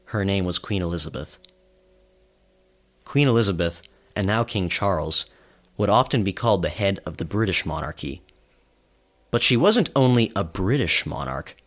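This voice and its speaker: A man in his mid-twenties from Canada, reading a measured, reflective scripted commentary as a reporter. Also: low voice, lively intonation. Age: 20s.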